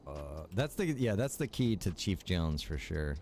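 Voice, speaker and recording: A man's voice: deep voice, big pitch swings, a little slow, a little mellow, a little hiss or hum. A man streaming a game, chatting casually with viewers, rambling and joking as he plays. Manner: rambling and joking, chats to viewers and reacts while playing.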